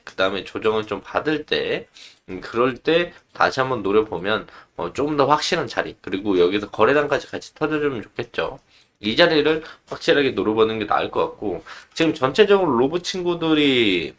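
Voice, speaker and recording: Male market analyst, mid-pitched, highly animated intonation, conversational explainer stressing key points. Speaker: stock analyst presenter. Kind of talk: informal stock chart commentary.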